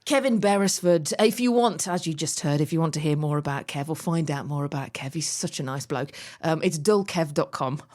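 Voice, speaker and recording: A woman's voice: sits low, a little fast, hardly any pauses, darkish tone. An English woman hosting a gardening podcast, chatty and enthusiastic, often breaking into giggles. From England. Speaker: podcast host.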